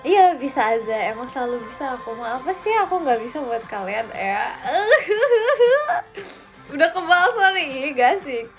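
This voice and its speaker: A woman's voice: high-pitched, big pitch swings, a little slow, fairly bright tone, faint music behind. A twenty-year-old woman on a casual live stream, reading out viewer comments and answering them in a playful, teasing way with a lot of giggling. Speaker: idol livestreamer.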